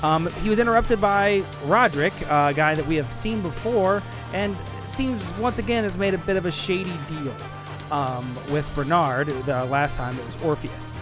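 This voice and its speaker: A man's voice: on the high side, normal speed. A man hosting a podcast, narrating an introduction and a casual recap. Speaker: podcast host. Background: background music under the voice.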